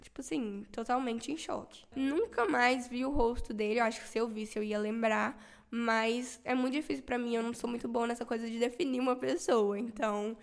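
A young woman from Minas Gerais with a Brazilian Portuguese accent, a podcast guest telling a story in a lively, animated way. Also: on the high side, fairly quick, gravelly. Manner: animated, laughs while telling a scary story. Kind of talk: casual storytelling.

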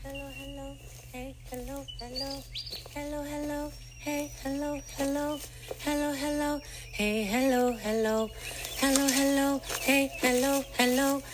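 A woman's high, steady call rings out and repeats as if bouncing off cave walls. The echo effect gives it a hollow, distant feel. Birdsong and open-air ambience sit clearly behind it. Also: measured pace, noisy background. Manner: calling out a repeated greeting.

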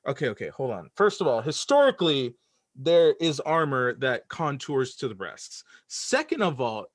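A man chatting casually as an interview guest, speaking in an animated way and often stammering and restarting his phrases. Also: medium pitch, moderate pace, no room sound. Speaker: audio drama creator and writer, interview guest.

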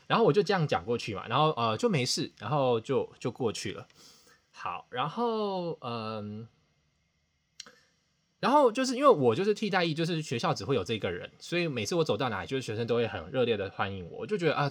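A man, hosting a podcast and telling a self-mocking story with dramatic outbursts. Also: mid-range voice. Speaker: podcast host. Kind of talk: casual storytelling chat.

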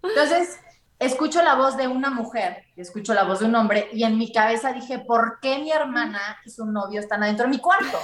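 A woman with a Mexican accent telling a story in casual chat, animated and vivid. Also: fairly high pitch, normal speed. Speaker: podcast guest. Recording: roomy echo.

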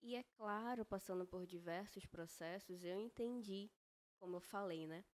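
A woman speaking as a guest on a Christian podcast, earnest and reflective, measured in her phrasing. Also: medium pitch, darkish tone. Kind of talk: faith-based podcast conversation.

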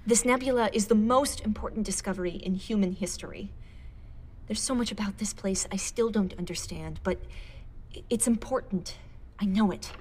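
A woman acting the director of a space expedition in a sci-fi audio drama. Her mid-pitched voice is composed, earnest and formal, over faint ambient noise. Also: lightly acted. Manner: formal, measured public address.

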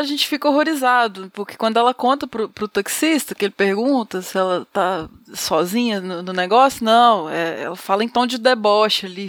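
A woman's voice: medium pitch, no room sound, clean studio sound. A woman hosting a podcast, chatting casually about a TV series, laughing often and tagging her sentences with little checks. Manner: lively, laughs often, says "né" a lot. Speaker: podcast host. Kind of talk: casual review chat.

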